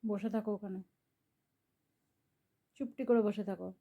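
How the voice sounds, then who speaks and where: A woman's voice: medium pitch, steady tone, normal speed, vocal fry, muffled recording. A woman vlogging at home, coaxing, scolding and fussing over her kitten. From Bengal. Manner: coaxing and scolding a pet, shifting between soft calls and louder reproach. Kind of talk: talking to her kitten while filming.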